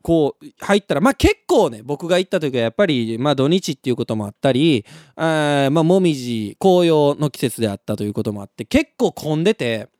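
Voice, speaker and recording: A young man with a Kansai accent, hosting a live radio show and telling stories in a casual, animated way. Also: on the high side, fairly quick, few pauses, dry recording, studio quality. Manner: animated storytelling, laughs at his own story.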